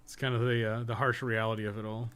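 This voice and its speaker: A man's voice: lowish voice, little pitch movement, quick pace, a bit bright. Sweary man casually commentating a game, noisy audio. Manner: sweary, rambling, muttering asides to himself. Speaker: podcast co-host playing a game on a live stream.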